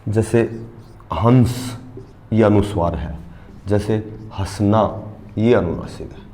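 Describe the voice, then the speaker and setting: A middle-aged male teacher giving an exam-prep grammar lesson, repeating key terms slowly so students can write them down. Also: on the low side, mellow.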